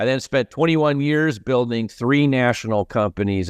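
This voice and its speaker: A plain, everyday voice from a man at a moderate pace with ordinary pitch variation, dry and close with no echo over a quiet background. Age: 60s. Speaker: business consultant and former CEO. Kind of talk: podcast interview.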